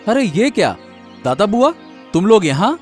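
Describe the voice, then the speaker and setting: A man's voice: high-pitched, very animated, moderate pace, darkish tone, faint music behind. A man voicing a worried young husband in a cartoon story, pleading and fretful. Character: anxious young husband, worried for his wife.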